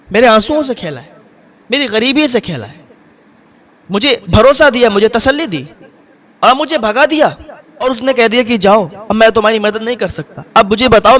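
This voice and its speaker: A man's voice: very high voice, fairly bright tone. Man voicing a heartbroken poor father. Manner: tearful pleading, repeating lines in lists.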